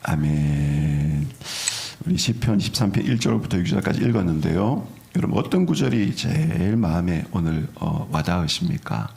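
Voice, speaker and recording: A man's voice: low-pitched, big pitch swings, a little fast, creaky, few pauses, darkish tone. A middle-aged man, a pastor, gives a sermon in a conversational way and keeps checking that the congregation agrees.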